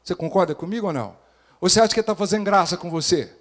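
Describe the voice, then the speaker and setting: A man preaching to his congregation in an animated way, his voice sitting a bit high. He acts out quoted voices and keeps asking the people questions. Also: rapid-fire. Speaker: pastor. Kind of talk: sermon.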